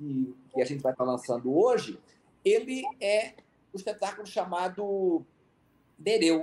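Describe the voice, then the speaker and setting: Against light background noise, a man speaks fairly slowly in a high pitch with a dark, mellow tone, very wide pitch swings, and long, frequent pauses. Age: 60s. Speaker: theater director and playwright. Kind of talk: interview. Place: home room.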